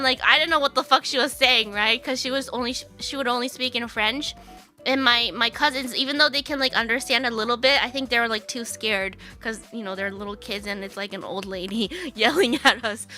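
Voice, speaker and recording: Woman livestream host, native English speaker, high-pitched and bright, animated bilingual chat. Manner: animated storytelling, switching between Japanese and English. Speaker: VTuber streamer.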